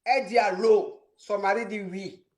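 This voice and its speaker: A woman's voice: mid-range voice, a little slow. A woman telling a dramatic story on a live stream, repeating phrases for effect and stopping to answer viewers. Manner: animated, repetitive, dramatic retelling.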